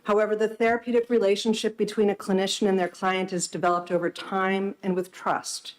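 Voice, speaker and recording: A woman social worker giving formal, earnest testimony to a legislative committee, speaking in a measured way in a hearing room. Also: medium pitch, little pitch movement, poor audio.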